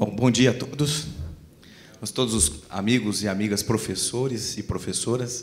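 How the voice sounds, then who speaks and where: A man uses a put-on character voice that is hoarse, medium in pitch, and delivered at a moderate pace. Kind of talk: formal, addressing an audience of teachers.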